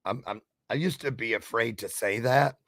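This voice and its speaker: A man's voice: medium pitch, normal speed, gravelly, fairly bright tone, no echo, clean studio sound. Chatty, playful male talk show host. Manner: chatty, upbeat, playful showman. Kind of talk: casual live online show chat.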